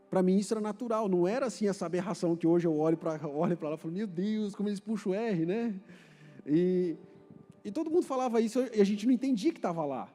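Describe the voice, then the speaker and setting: Male pastor, Paraná accent, folksy sermon storyteller who climbs to loud appeals, high-pitched, long hall echo. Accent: Paraná Brazilian Portuguese, rolled R. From Paraná, Brazil. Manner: chatty and anecdotal, questions the congregation, rising to forceful exhortation. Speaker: preacher. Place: church hall. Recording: reverberant church hall with faint music.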